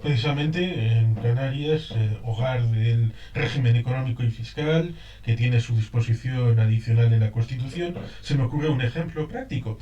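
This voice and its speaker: Man, interviewer, measured and formal, dull lo-fi sound, mellow tone. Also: medium pitch. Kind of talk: interview question. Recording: roomy, distant, dull lo-fi sound.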